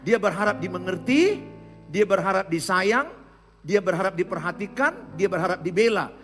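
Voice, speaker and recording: A man with a Medan Indonesian accent, a pastor giving a lively, conversational sermon and coaching volunteers in front of the congregation. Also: high voice, moderate pace. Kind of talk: interactive sermon. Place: large church hall. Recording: echoey hall with guitar music.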